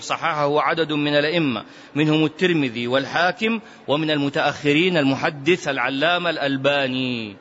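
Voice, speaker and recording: A man leads a religious lesson in a mosque, his voice a touch high and emphatic. He chants some phrases and fires off rhetorical questions. The recording is dull and muffled. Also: a bit bright, a little hiss or hum. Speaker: religious teacher. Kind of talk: mosque lesson explaining hadith.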